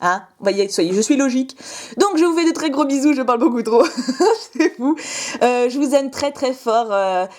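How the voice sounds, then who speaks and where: A woman's voice: high-pitched, lively intonation, normal speed, darkish tone. A young woman chatting casually to camera while opening trading cards, bubbly and playful, laughing often with a put-on southern French lilt. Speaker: card-opening vlogger.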